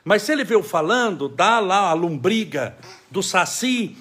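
A man with a Brazilian accent giving an emphatic, animated talk on a live stream from home, with laughing asides. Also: sits high, a little slow. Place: home, caring for his child.

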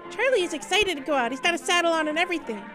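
A woman's voice: extremely high pitch, lively intonation, racing, music in the background. A woman playing an adorable, chatty eight-year-old little sister, sweet and babyish, in an audio drama. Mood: excited. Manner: babyish, sweet, childlike grammar. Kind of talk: cinematic audio drama roleplay.

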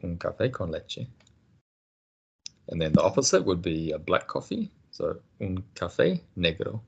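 A man teaching a casual language lesson, patient and encouraging, explaining things slowly. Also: low-pitched, very animated, creaky, husky.

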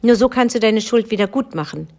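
A woman's voice: fairly high pitch, animated, a little fast, a little mellow. A mysterious man in black from a storybook calls out a grave, urgent warning, as a woman reading aloud voices him. His tone is earnest and insistent. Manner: urgent, pleading then warning.

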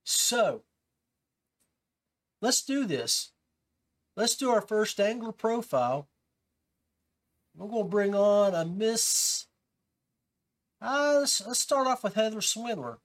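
A man's voice: high-pitched, sing-song, takes it slowly, pauses often. A man hosting a fishing podcast, talking to listeners in a casual, upbeat way. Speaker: podcast host.

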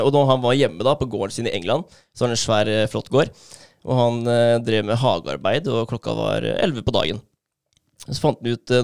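A man tells a story in an easy, chatty way, breaking in with fillers and bursts of laughter. His voice has a gravelly edge but stays smooth and resonant. The sound is dry and close, with no room echo. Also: mid-range voice. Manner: animated retelling with many fillers and laughs. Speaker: podcast co-host. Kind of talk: casual storytelling chat.

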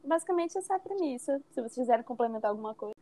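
A woman's voice: high-pitched, animated, very fast, mellow. A young woman hosting a casual podcast. She laughs easily and sums up plots in a chatty way. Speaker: podcast host.

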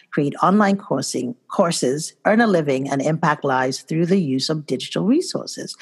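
A Nigerian-accented woman hosts her podcast with an enthusiastic, effusive delivery. Her voice sits a bit low for a woman. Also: husky. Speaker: podcast host. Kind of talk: podcast interview hosting.

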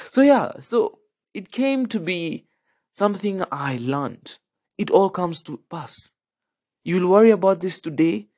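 Young Kenyan man, higher-pitched voice. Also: dry recording, studio quality. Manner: animated, chatty, addresses listener with tag questions and Swahili slang. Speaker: podcast host. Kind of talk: casual monologue with storytelling.

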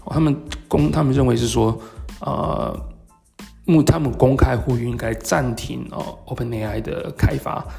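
Male podcast host, Taiwanese Mandarin accent, very creaky voice, medium pitch, halting explanatory delivery, faint background music. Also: warm tone. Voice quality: gravelly, creaky. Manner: halting, explanatory, frequent hesitant pauses and throat-clearing. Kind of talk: solo talk explaining tech and market topics.

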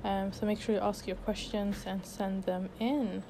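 A woman's voice: medium pitch, little pitch movement, moderate pace, gravelly, mellow, slight background noise. A woman in her twenties from Sweden, hosting a casual unedited solo podcast as a life coach, chatty and upbeat with many fillers and restarts, a bit out of breath. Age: 20s.

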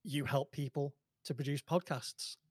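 Guy hosting a podcast, slightly high voice, short friendly questions. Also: fairly even intonation, unhurried, slightly rough, no room sound, clean studio sound. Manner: brief encouraging replies, asks questions. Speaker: podcast host. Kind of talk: casual interview.

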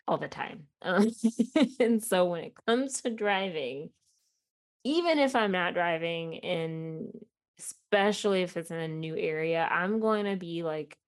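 A young woman with a Midwestern accent, hosting her own podcast in a casual, chatty way, full of fillers and frequent laughs. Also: low-pitched. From Chicago. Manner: chatty, self-deprecating, laughs often, many fillers. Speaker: podcast host. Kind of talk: casual solo podcast chat.

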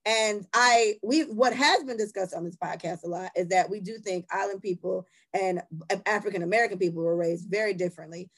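A woman in her thirties, raised in Jamaica, co-hosting a podcast in loose, casual chat. Her voice has a gravelly edge and sits at a middle pitch. She talks with blunt, profane emphasis. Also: a little fast, few pauses. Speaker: podcast co-host.

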